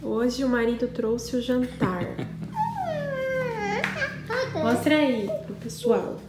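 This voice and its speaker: Soft-spoken Brazilian mom vlogger, unhurried. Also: female voice, fairly high pitch, heavy background noise. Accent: Brazilian Portuguese. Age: 30s. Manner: soft, chatty, talks to her baby. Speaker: vlogger and mother. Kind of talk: casual home vlog. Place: home.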